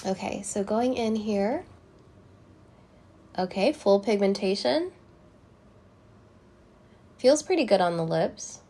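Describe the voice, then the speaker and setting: A woman's voice: medium pitch, expressive, takes it slowly, long pauses, dark tone. Chatty young woman reviewing lipstick. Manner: chatty, talks to viewers while applying lipstick. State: slightly congested from a cold. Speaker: beauty vlogger. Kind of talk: casual product review.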